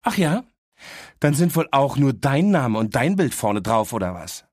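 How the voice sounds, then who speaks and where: A man's voice: medium pitch, very animated, a little slow, darkish tone, no room sound, studio quality, pitched above the performer's own voice. A man voicing an opinionated young female talking dog, cheeky and sarcastic, in an audiobook. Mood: indignant. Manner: cheeky, know-it-all, sarcastic. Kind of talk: audiobook character voice.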